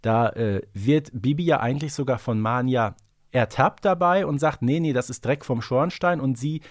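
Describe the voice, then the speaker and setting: A man's voice: medium pitch, normal speed, no room sound, clean studio sound. A man co-hosting a podcast in casual conversation, often tagging his remarks with little questions. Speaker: podcast co-host.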